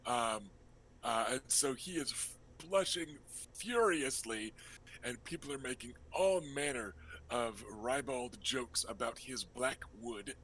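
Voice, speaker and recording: A man working as game master, narrating a tabletop role-playing game in a casual, halting, improvised way. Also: mid-range voice, fairly bright tone, a little hiss or hum, poor audio.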